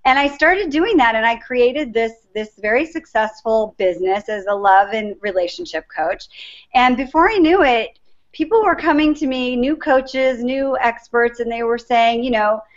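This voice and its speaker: Middle-aged woman guest telling her story, earnest and reflective, kinda high, muffled audio. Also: moderate pace. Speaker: guest life coach. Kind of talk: interview answers, personal story. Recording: dull lo-fi recording.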